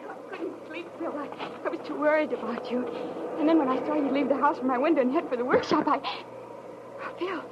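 A woman's voice: high-pitched, fairly quick, natural voice. An actress playing an anxious, tender young woman in a 1940s radio drama, pleading and solicitous in manner. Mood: worried, tender. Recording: muffled old radio recording, faint hiss.

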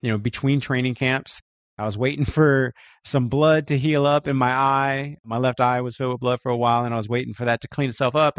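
A man's voice: mid-range voice, dry recording, studio quality. A man from Florida, a podcast guest, telling his life story casually, peppering it with "you know" and "right?". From Florida, USA. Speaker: guest, co-founder of a voting rights group.

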